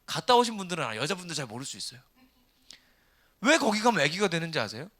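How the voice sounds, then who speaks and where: A man in his thirties preaching a sermon, asking the congregation rhetorical questions in an animated way. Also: a little high, quick pace. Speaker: pastor.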